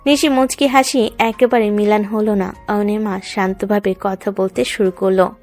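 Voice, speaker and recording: A woman narrates a romance story in a dramatic, descriptive style. Her voice sits at a middle pitch. Soft background music plays faintly. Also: steady tone, moderate pace.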